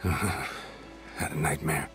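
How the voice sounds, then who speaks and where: A taciturn fantasy game warrior with an extremely low voice. He is weary and terse, with music playing behind him. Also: very slow, exaggerated voice. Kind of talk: fantasy video game acting. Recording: game music under the dialogue.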